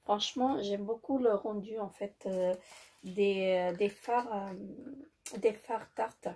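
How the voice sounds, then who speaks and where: Woman, makeup vlogger, slow-paced, husky voice, hesitant, lots of fillers. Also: mid-range voice, dark tone. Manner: hesitant, many fillers, repeats "très joli"; apologizes for her English. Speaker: beauty vlogger. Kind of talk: casual product haul.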